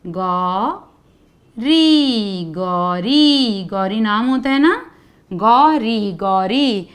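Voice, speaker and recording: A high-leaning, lively female voice runs a Hindi letter-sound lesson for kids. Calling out the sounds slowly and stretching them for the children to repeat, she also asks a great many questions.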